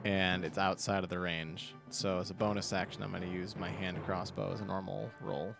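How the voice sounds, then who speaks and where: A man playing a tabletop game, chatting casually and explaining his rules reasoning out loud. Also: sits low, level tone, normal speed, creaky, music in the background. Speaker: player.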